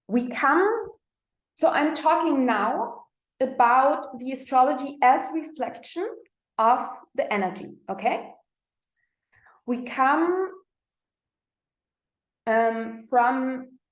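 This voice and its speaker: Slow, halting woman with a German accent. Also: high-pitched, echoey room, rough recording. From Austria. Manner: slow, halting, searching for words with many fillers. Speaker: astrologer. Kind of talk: spiritual forecast talk.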